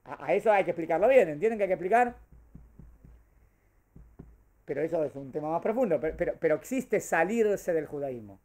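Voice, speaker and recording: A man's voice: a little high, brisk, pauses often. A man teaching a Torah class, asking the room questions and answering them himself. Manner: questioning and animated, answers his own questions.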